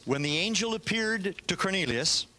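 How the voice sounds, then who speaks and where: An older male preacher from Canada delivers his sermon in short, measured phrases. He leaves gaps for an interpreter. His voice is bright and sits a little high. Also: lively intonation, rough recording. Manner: storytelling, pauses in short phrases for translation.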